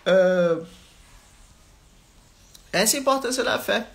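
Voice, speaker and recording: High, gravelly preacher man. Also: expressive, takes it slowly, fairly bright tone. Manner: repetitive, emphatic exhortation; conversational, addresses listeners directly. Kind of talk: live Bible study sermon.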